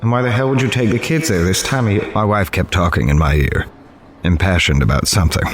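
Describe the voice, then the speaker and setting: A man's voice: sits low, quick pace, natural voice. An actor playing a harried, determined newspaper reporter who narrates his own story in an audio drama. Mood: exasperated, hurried. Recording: roomy echo, faint ambience.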